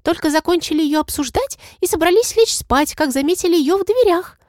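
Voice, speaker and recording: A woman voicing a tiny, very old female moth familiar who is timid and chatty, with a squeaky, piping voice. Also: animated, brisk, dry recording, clean studio sound. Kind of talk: audiobook character voice.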